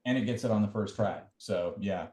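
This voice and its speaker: A man's voice: lowish voice, brisk, darkish tone. A man giving a casual product demo, hesitant and full of fillers. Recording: echoey room.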